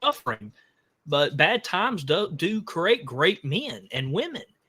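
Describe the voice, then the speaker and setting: A man with a Mississippi accent speaks in a high voice with a bright, sharp tone. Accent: US Southern (Mississippi). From southern Mississippi. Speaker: political podcast host. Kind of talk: casual political chat. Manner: halting, many fillers.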